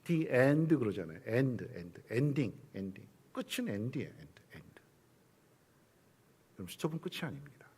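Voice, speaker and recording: Animated Korean pastor preaching. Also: male voice, medium pitch, measured pace, hardly any pauses, husky. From South Korea. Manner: animated preaching, acts out quoted voices, drops to whispers. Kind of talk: sermon. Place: church sanctuary.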